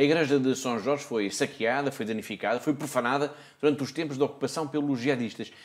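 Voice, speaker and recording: Against a quiet background, a man talks at a very fast pace in a fairly high voice with fairly even intonation. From Portugal. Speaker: TV presenter. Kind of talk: news reading. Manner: formal. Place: studio. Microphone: lapel.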